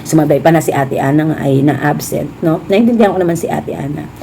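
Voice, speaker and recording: A woman's voice: low-pitched, a little fast, warm tone, slight background noise. A Filipino woman vlogger chatting casually to her viewers, mixing Tagalog and English, often adding a questioning "no?", slightly under the weather. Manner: chatty, mixes Tagalog and English, frequent "no?" tag. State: feeling a bit unwell. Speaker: vlogger, small shop owner. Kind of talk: casual chat to camera.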